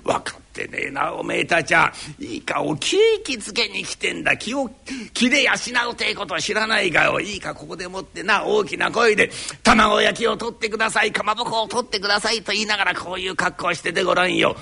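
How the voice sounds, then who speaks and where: Performing rakugo live in a hall, this man takes on a jovial, domineering landlord with an old downtown Tokyo accent, switching between wheedling and scolding in lively vocal shifts. The heavily acted voice is high, creaky, and husky, moving fairly quickly with few pauses.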